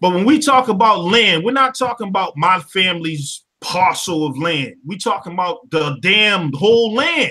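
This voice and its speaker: The voice is raised and projected, with a bright, sharp tone and lively intonation. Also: man, high pitch for a man, moderate pace. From Tennessee. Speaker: online talk show host. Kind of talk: casual livestream discussion. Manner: animated.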